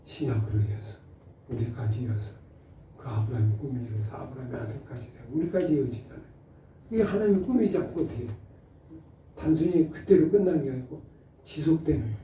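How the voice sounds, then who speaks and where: A middle-aged male pastor giving an animated Bible study, asking rhetorical questions and acting out short exchanges. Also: medium pitch, brisk, slight background noise. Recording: muffled roomy audio from a distant mic.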